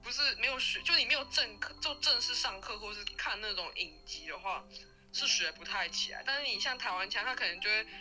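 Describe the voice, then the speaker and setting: A young woman with a Taiwanese Mandarin accent, a university student guest chatting casually and telling stories with lively laughter. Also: mid-range voice, a little fast, faint music behind, poor audio. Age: young adult. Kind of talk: casual interview chat.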